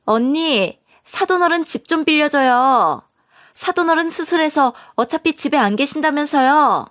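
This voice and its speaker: A woman reading a scripted story, voicing a brazen, rude young sister-in-law in a shrill, dismissive manner. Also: lively intonation, moderate pace, a bit bright.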